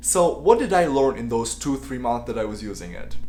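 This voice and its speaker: A man with a non-native accent talks at a very fast pace. There is audible room echo. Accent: noticeable non-native. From Ukraine. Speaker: YouTuber. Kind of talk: casual vlog monologue.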